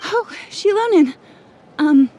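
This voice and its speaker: A woman voicing a kindly, anxious jeweler in a video game, gentle, talkative and apologetic. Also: very high-pitched, lively intonation, takes it slowly, heavily acted. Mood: worried, confiding.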